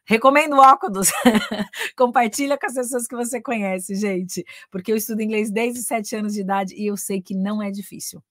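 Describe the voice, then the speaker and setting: A woman's voice: medium pitch, steady tone, a little fast, hardly any pauses, a little mellow, no room sound, clean studio sound. A Brazilian woman teaching English online. She talks in a chatty way, explains things step by step and keeps checking in with her viewers.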